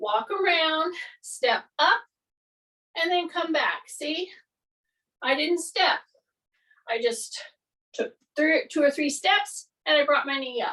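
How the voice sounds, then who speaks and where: A woman's raised, projected voice, extremely high in pitch and bright and sharp in tone, with very wide pitch swings, a very slow pace and long, frequent pauses. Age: 70s. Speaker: fitness instructor. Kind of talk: exercise class instruction. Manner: casual, chatty.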